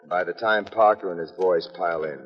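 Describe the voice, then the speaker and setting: A wisecracking hardboiled private eye, played by a man with a low voice, trading clipped tough-guy lines. Heard on a muffled 1950s radio transcription, with faint music under him. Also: a little fast, natural voice. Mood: cool. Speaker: detective lead and narrator. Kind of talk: 1950s radio drama acting.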